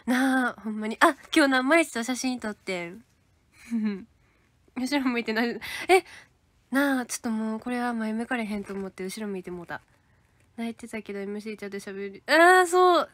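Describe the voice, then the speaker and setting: A woman's voice: fairly high pitch, expressive, moderate pace, a bit bright, no echo. A young woman with a Kansai accent, chatting casually and giggling as she reads fan comments on a livestream. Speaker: idol livestreaming to fans.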